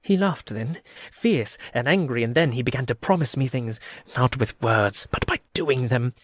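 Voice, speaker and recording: A man's voice: mid-range voice, lively intonation, normal speed, no room sound, natural voice. An actor playing a guilt-ridden, rambling asylum madman in a community radio play, swinging from mutters to frantic cries. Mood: haunted.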